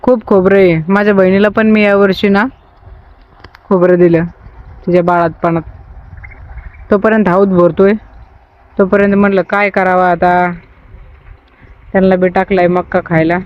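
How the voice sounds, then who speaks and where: A woman's voice: fairly low pitch, level tone, a little slow, long pauses, dry recording. Chatty village woman, vlogging outside her farmhouse on a phone, kinda muffled sound, animals in the background. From Ahilyanagar district, Maharashtra, India. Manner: chatty, homely, talks to the viewers and her animals. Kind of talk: casual vlog narration.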